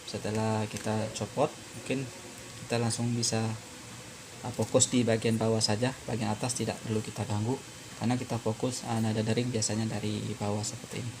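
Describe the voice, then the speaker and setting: A man with a slightly low, flat voice presents a hands-on tutorial. He explains step by step, haltingly, with frequent pauses. Clear background noise runs behind him in a homemade-sounding recording. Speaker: phone repair tutorial presenter. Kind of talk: informal hands-on tutorial narration.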